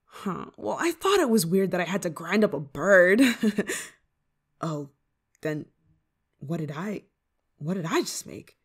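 Woman acting a flustered young witch, unhurried pace. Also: on the low side, big pitch swings, breathy edge, exaggerated voice. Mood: worried, flustered. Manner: hesitant, stammering, fretful, sighing. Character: flustered, clumsy, affectionate young novice witch. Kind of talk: ASMR roleplay monologue to the listener.

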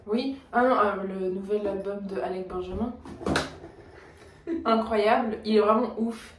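Lively young woman in a noisy echoey room. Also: medium pitch, unhurried. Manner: lively, laughs often. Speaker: guest. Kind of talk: casual chat. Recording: echoey room, distant mic, noise.

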